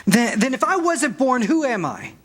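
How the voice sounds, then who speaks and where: Frantic family man played by a male actor, high and bright, stammering, bewildered, old-time radio drama, some stage noise. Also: big pitch swings, normal speed, full character voice. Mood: confused, pleading. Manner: stammering, agitated. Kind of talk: 1940s radio play stage reading.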